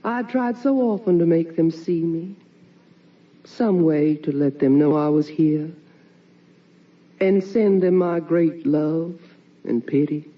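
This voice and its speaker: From a muffled old radio play comes the ghost of a wife and mother, full of longing and sorrow. The voice is low for a woman and drifts very slowly, hushed and theatrical, a little away from the microphone. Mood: sorrowful, yearning. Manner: slow, hushed, theatrical delivery. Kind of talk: radio drama monologue. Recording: muffled old radio recording, distant mic.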